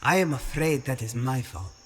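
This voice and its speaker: A man's voice: mid-range voice, normal speed, long reverb tail, faint music behind, close to an everyday voice. A man voicing a regretful alien father who speaks to his queen in a humble, formal, earnest manner.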